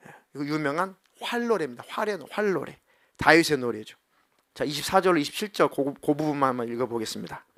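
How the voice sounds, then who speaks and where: A middle-aged man preaching a sermon as senior pastor, telling a story with lively, acted-out dialogue. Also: on the high side, no room sound, studio quality. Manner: animated storytelling, acting out quoted dialogue.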